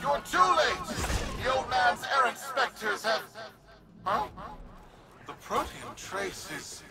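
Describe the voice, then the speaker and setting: A woman's voice: on the high side, lively intonation, slow pace, loud music behind the voice. A woman playing a vengeful, anguished daughter in a video game, dramatic and demanding. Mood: frantic, baffled. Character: vengeful, anguished daughter hunting for her father. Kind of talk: video game villain dialogue.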